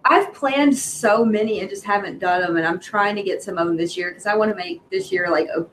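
A woman with a Southern US accent, co-hosting a podcast in lively, self-deprecating chat. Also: mid-range voice, fairly quick, slight background noise, low-quality recording. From American South. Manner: animated, laughing, self-deprecating. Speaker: podcast co-host.

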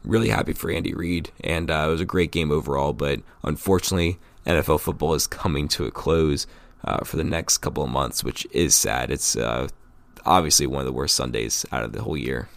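A male podcast host getting over a cold, his voice a little raspy, talking casually and rambling through his fan opinions with plenty of fillers. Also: extremely low pitch, a little fast, no echo. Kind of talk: solo sports podcast talk.

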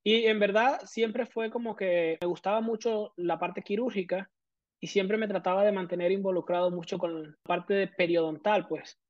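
A man's voice: sits high, steady tone, normal speed, darkish tone, no echo, muffled recording. A man from Venezuela in his thirties with a Venezuelan accent, a guest explaining his career at length with many fillers. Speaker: guest prosthodontist. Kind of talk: casual interview.

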